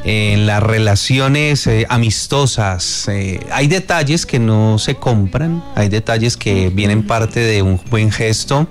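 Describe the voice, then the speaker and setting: A man hosting a morning radio show from a studio, in relaxed, chatty talk. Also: lowish voice, slow, hardly any pauses. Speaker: radio host.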